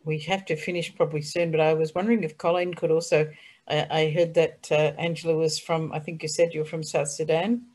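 A woman's voice: sits low, little pitch movement, a little fast, a little mellow. An older woman chatting as a panelist on a video call, trailing off with ums as she passes the floor to others. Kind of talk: panel discussion. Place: small room indoors.

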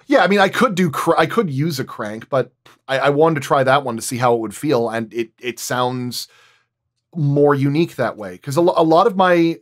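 A man talking casually as a guest sound designer, in a halting, hesitant way. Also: mid-range voice, lively intonation. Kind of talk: casual roundtable chat.

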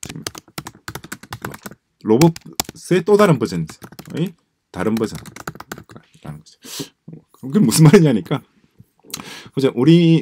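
Guy explaining stuff over a screen share, animated voice, mumbles and repeats, typing in the background. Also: medium pitch, slight background noise. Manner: musing, repeats phrases, trails off to mumbles. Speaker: presenter explaining a coding project. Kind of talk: screen-share lecture while typing notes. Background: keyboard typing.

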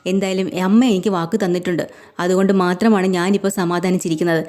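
A woman's voice: lowish voice, steady tone, quick pace, a little mellow, close to an everyday voice. Woman voicing an indignant young wife. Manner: indignant, complaining. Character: young wife, angry and resentful.

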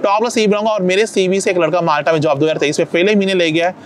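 A middle-aged man giving casual career advice to camera outdoors on a lapel mic, talking fast and energetically with slips. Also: sits high, steady tone. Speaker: vlogger, career advisor. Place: outdoors by a city waterfront.

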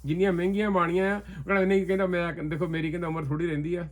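A man giving his views in a political discussion, talking emphatically and sometimes dropping low for asides. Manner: talks fast, emphatic, often animated, drops low for asides. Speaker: interview guest.

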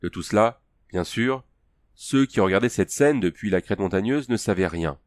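A man narrating an adventure story as an audiobook, steady and measured. His voice sits on the low side and is recorded close and dry, with no room sound around it. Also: no echo. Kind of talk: scripted narration of a fantasy story.

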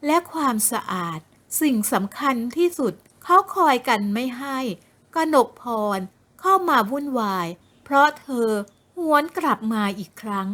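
High, lively woman narrating a novel. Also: measured pace. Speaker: audiobook narrator.

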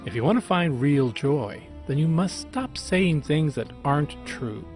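A man's voice: fairly high pitch, expressive, a little slow, a little mellow, soft background music. A man playing an odd preacher who kindly scolds and moralizes in an audio drama. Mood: kindly admonishing. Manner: admonishing, moralizing.

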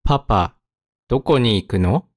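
A man teaching vocabulary, saying each word and example sentence twice, slowly and carefully, then giving its meaning. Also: medium pitch, expressive, dry recording, clean studio sound. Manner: slow, careful enunciation with repetition. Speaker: Japanese teacher.

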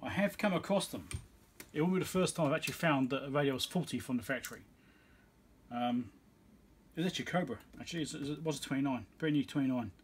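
Fast-talking and medium-pitched, an electronics repair tech and video host narrates his work casually at a small, cluttered indoor bench. He thinks aloud in a mumbling, offhand manner, with slight background noise present.

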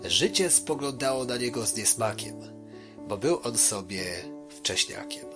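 A man's voice: mid-range voice, animated, a little slow. A man narrating a rhyming storybook tale with a theatrical storyteller delivery. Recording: music under the voice. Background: music.

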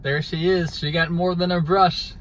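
A man's voice: on the high side, steady tone, moderate pace, fairly bright tone, a little hiss or hum. A young man chatting casually to viewers in a travel vlog, upbeat and explaining things as he goes, recorded close up inside a car. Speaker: vlogger. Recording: background music.

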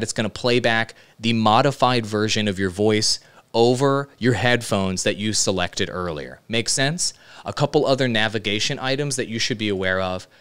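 A man's voice: on the low side, a bit bright, clear, resonant tone. A man, giving casual, emphatic step-by-step instruction as a tutorial host, checking in with listeners. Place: indoor studio with computer.

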